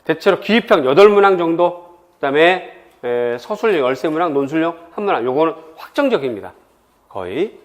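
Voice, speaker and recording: A man's voice: on the high side, brisk. A middle-aged man from Seoul giving an exam prep info session, chatty and full of personal stories. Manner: lively, chatty, tells personal anecdotes. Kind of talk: admissions info session lecture.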